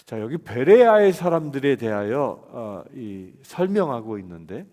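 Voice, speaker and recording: A man's voice: medium pitch, big pitch swings, a little slow, mellow. A man with a Seoul Korean accent preaching a conversational sermon, asking the listeners questions and answering them himself. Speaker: pastor. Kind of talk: expository sermon. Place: church. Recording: long hall reverb.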